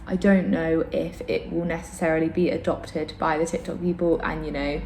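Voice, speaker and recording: Talking fashion to camera, this vlogger and host shares her opinions informally and pokes fun at herself, despite a slight sore throat. Her voice is low and a little mellow, with a flat delivery at a normal speed, captured in a room with audible echo and clear background noise.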